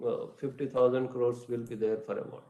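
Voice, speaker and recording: A man with an Indian accent answering questions as a company executive on an earnings call, in a halting, measured way. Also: mid-range voice, little pitch movement, mellow. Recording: echoey room sound.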